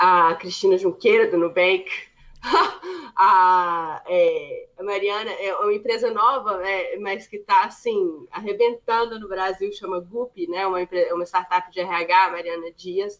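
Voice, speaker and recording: At a fairly slow pace, a woman with a medium pitch and fairly even intonation speaks with big swings in loudness. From Brazil, Belo Horizonte. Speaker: startup banker. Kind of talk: interview.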